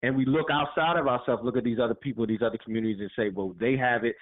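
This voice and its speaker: A plain-spoken man giving blunt opinions in a casual back-and-forth. His voice sits at a middle pitch and comes through thin and narrow, like a phone call. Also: steady tone, racing. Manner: blunt, plain-spoken, agreeing with short interjections. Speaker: podcast co-host. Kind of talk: casual political discussion. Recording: tinny phone-line sound.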